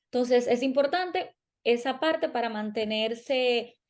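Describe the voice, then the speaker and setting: A woman's voice: a little high, takes it slowly. A woman co-hosting a podcast, explaining exam strategy and speaking directly to listeners with worked examples. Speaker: podcast co-host.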